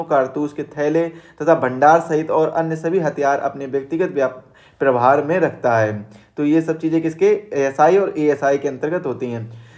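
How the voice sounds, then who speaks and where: A man's voice: on the high side, a little mellow. A man teaching exam material, reading formal rules aloud and restarting words as he adds reminders to remember them. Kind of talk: reading and explaining study notes.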